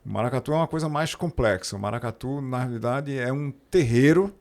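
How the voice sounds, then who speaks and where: A man, a podcast guest, explaining things carefully and quickly correcting details. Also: medium pitch, a little mellow. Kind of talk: casual podcast conversation.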